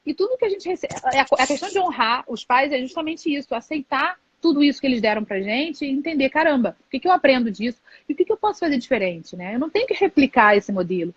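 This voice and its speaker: A woman's voice: sits high, animated, fast talker, few pauses. A woman, hosting a live stream and talking candidly as a mother, tucking "né" into her sentences. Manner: reflective, candid, many filler "né". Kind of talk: casual conversation on a live stream. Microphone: video call. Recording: dull, dry lo-fi live-stream audio.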